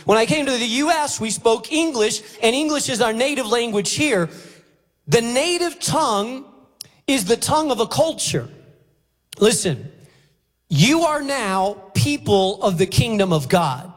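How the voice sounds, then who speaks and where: High-voiced male pastor preaching in a hall. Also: animated. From Spain. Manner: emphatic, deliberate, teacherly. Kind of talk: sermon. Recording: reverberant hall, faint music.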